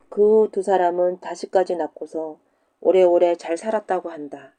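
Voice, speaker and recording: A woman storyteller reading old folktales in a calm, even, scripted manner. Her voice is low and very dark and mellow. It is recorded close on a studio mic with a dry, dead sound. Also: no room sound.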